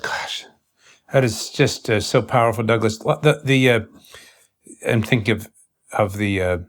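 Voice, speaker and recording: A man interviewing in an intellectual conversation, choosing formal words deliberately in broken, halting phrases. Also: lowish voice.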